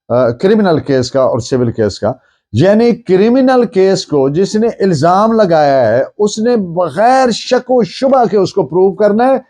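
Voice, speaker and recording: A man with a Pakistani accent teaches law in a soft, mellow voice that sits slightly high for a man. He explains step by step, asking questions and then answering them. He shifts into careful English for legal phrases. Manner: switches to slow, deliberate English for legal phrases. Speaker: law lecturer. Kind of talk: explanatory law lecture with worked examples.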